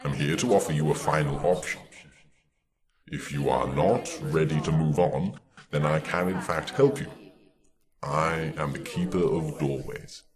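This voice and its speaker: An actor playing a solemn otherworldly gatekeeper who speaks in grave, formal pronouncements. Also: male voice, a bass voice, unhurried, crowd noise.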